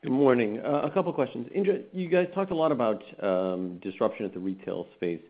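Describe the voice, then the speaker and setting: A man's voice: mid-range voice, lively intonation, fairly quick. A man calling in as a financial analyst to ask questions on an earnings call. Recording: tinny, narrow telephone line.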